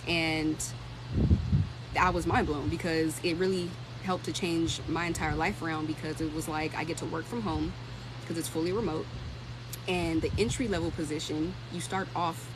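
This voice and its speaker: A woman's voice: deep voice, fairly even intonation, normal speed, noisy background. A thirty-year-old woman hosting a casual livestream, talking informally and thinking aloud as she answers comments. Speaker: livestream host and tech career content creator.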